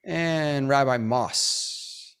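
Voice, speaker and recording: A man's voice: mid-range voice, extremely slow, fairly bright tone, clean tone. A man hosting a live webinar over a video call, chatty and upbeat with lots of fillers. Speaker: webinar host.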